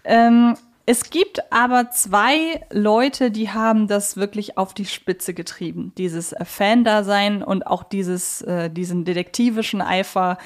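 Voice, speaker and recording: A woman's voice: mid-range voice, a little slow, few pauses. Woman co-hosting a podcast. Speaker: podcast co-host. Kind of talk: casual podcast discussion.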